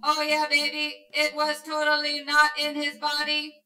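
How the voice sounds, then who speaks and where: High-pitched robotic seductress android. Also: female voice, completely flat delivery, a little slow, pushed and bright, echoey room, full character voice. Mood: flatly seductive. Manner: robotic, formulaic, stilted sultry delivery. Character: emotionless seductive female android pleasure node, polite and literal. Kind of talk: sci-fi radio drama acting.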